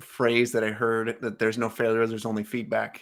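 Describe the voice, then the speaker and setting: With an American accent, a man talks at a fairly quick pace in a medium pitch, a normal speaking voice. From California, Central Valley. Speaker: business coach. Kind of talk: interview.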